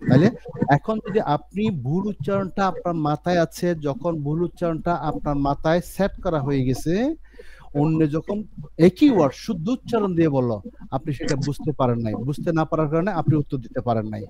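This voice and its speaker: A man's voice: a little high, normal speed, dark tone, a little hiss or hum. A man teaching an English course on a video call, explaining earnestly and repeating himself, with frequent restarts. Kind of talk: online class lecture.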